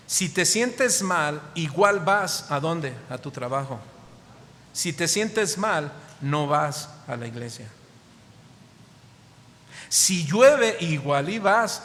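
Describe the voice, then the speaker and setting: A man's voice: a little high, bright, forceful tone, slight background noise. A man with a Mexican Spanish accent preaching a sermon as pastor, asking the congregation rhetorical questions with emphatic rises. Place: church hall. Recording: long church hall reverb.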